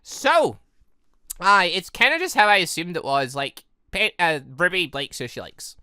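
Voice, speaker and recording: A man's voice: high voice, big pitch swings, normal speed, sharp tone, clean tone, no echo, studio quality. A man giving casual, rambling let's-play commentary as a gaming host, often repeating and rephrasing himself.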